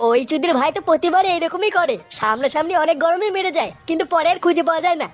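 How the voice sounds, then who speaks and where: A bossy young gang leader from a village comedy cartoon, played by a woman, in a very high squeaky voice. He talks fast, scoffing and giving orders with crude slang. There is music in the background.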